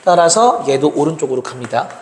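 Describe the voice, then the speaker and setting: A man's voice: a little high, expressive, brisk. A male math tutor working through exam problems step by step, talking calculations aloud and checking in with his students. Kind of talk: exam problem walkthrough lecture. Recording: roomy reverb, faint noise.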